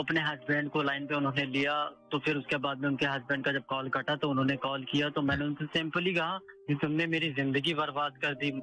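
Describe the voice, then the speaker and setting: A man speaks in a fairly high voice with monotone, flat intonation and very even loudness. Noticeable background noise is present. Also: moderate pace. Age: 20s. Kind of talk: radio caller on phone. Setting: phone line.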